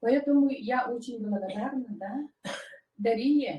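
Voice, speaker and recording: Dark, mellow tone from a woman, pitch varying in an ordinary way. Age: 60s. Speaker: retired operating-room nurse giving product testimonial. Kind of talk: testimony. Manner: halting.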